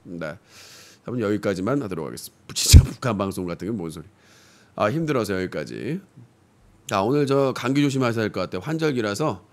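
A man's voice: fairly low pitch, animated, quick pace. A man in his thirties with a sore throat, hosting a satirical live stream in a blunt, filler-heavy rant. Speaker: streaming news-comedy host. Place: small room with fish tank, indoors. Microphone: desk mic on stand, webcam framing.

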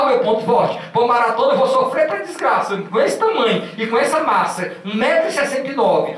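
A quick-talking man with a Northeastern Brazilian accent and a fairly high voice, energetic and joking as he walks the stage with a handheld mic. His voice rings through a large, echoing auditorium, picked up from some distance away. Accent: Northeastern Brazilian Portuguese. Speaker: motivational speaker. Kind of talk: motivational talk. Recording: echoey hall from far off.

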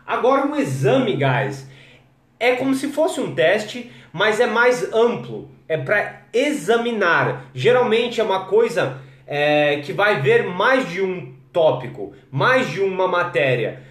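A Brazilian man leads a casual live-streamed English lesson, talking to viewers by name. He speaks slowly in a slightly high voice. The sound has the echo of a bare room. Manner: relaxed, chatty, greets viewers by name, models pronunciation slowly. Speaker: English teacher. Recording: echoey room.

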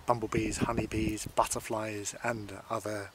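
Calm, flat-voiced man teaching foraging outdoors. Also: on the low side. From Scotland. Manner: calm, explanatory, unhurried. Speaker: foraging instructor. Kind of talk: outdoor foraging walk-through to camera. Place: outdoors by hedges and a field. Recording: faint outdoor noise.

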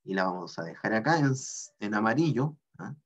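A man's voice: lowish voice, lively intonation, fairly quick, breathy edge, lo-fi sound. A man teaching a mechanics class online, working through equations step by step and often checking in with a questioning "ah?".

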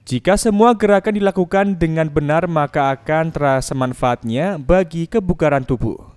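A man's voice: on the high side, normal speed, darkish tone, clear, resonant tone. A man reading a scripted news report as a reporter.

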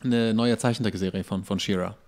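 Gravelly deadpan man in his forties. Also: lowish voice, brisk. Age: 40s. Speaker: podcast co-host. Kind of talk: casual comedic chat.

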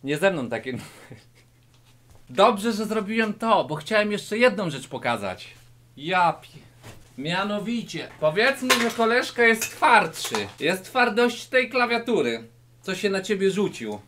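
A man with a somewhat high voice lectures the viewer in a mock-serious comedic martial-arts lesson. He swings from loud to hushed delivery as he talks straight to the camera. He records indoors in a low-ceilinged room with faint noise behind. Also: big pitch swings, measured pace. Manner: big jumps between loud and quiet delivery. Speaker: YouTuber.

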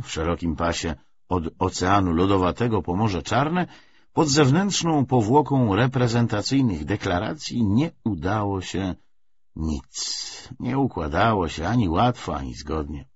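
A man reading a literary audiobook in an expressive, measured, scripted narration style. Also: on the low side, breathy edge. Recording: dull, slightly muffled lo-fi audio.

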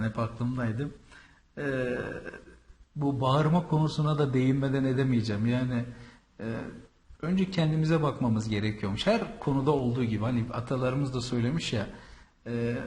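A man's voice: medium pitch, darkish tone. A man from the east of Anatolia talks through a casual vlog, chatty and rambling, with plenty of fillers and restarts. His voice sits in the middle range for a man. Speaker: visa and travel consultant.

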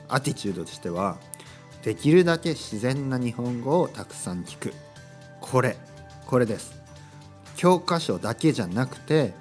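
Lively chatty man hosting a podcast. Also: mid-range voice. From Kyushu, Japan. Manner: chatty, repeats phrases, acts out short dialogues. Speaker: podcast host teaching Japanese. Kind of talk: casual solo podcast talk.

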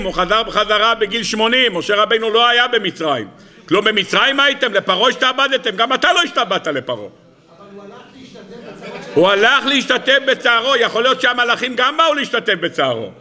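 Rabbi guy teaching torah, bright sharp voice, lively and teasing, asks question after question. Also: high voice. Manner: rhetorical questions, animated and teasing. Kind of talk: Torah lesson to an audience.

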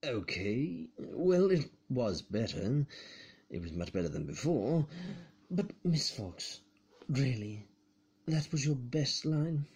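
A man playing a polite, hesitant comic character with a soft, husky voice and halting delivery. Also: medium pitch, big pitch swings, full character voice. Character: hesitant, polite male caller with a comic edge.

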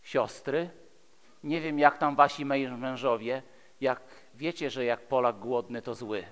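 A clear, resonant mid-range voice at a measured pace marks this Polish preacher in his fifties. His delivery is emphatic and rhetorical, with repeated phrases and dramatic shifts from loud to hushed. The recording, made at a pulpit in a large church hall, is echoey with a long reverb tail.

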